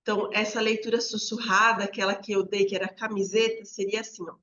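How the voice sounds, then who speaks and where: A woman's voice: medium pitch, little pitch movement, fast, fairly bright tone. A woman explaining reading instruction step by step, often checking in with listeners. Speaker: literacy educator. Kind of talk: explanatory teaching talk. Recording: slightly dull lo-fi recording.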